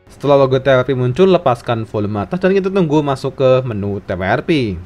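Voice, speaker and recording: A man's voice: mid-range voice, big pitch swings, fast, darkish tone, faint music behind. A man narrating a scripted tech tutorial, giving instructions phrase by phrase.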